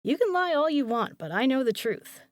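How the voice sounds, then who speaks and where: A woman's voice: high voice, very animated, normal speed, dry recording. Playful, bossy roommate played by a woman, close and dry. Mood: bossy, teasing. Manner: playful, emphatic, casually sweary, coaxing. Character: caring, bossy, teasing young woman roommate cheering up a friend. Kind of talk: intimate audio roleplay acting, casual and conversational.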